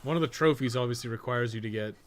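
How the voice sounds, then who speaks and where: A man's voice: mid-range voice, quick pace, a little hiss or hum. A man giving casual live gameplay commentary, thinking aloud in a rambling way and swearing casually. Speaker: podcast co-host and game guide writer.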